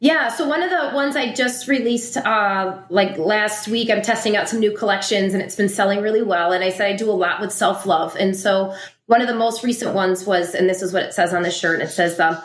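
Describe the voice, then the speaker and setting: A woman's voice: medium pitch, fairly quick. A middle-aged woman, the guest and founder of an apparel brand, speaking earnestly and motivationally in a casual interview, with frequent fillers. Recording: roomy echo.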